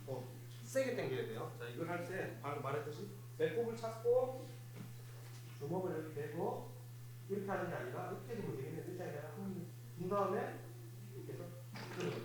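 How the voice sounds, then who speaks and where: A man's voice: high-pitched, animated, fast talker, echoey room, background noise. A man leading a hands-on first aid demonstration for a live group, instructive and repetitive as he talks the group through each step. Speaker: fire safety instructor. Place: hall of a place of worship.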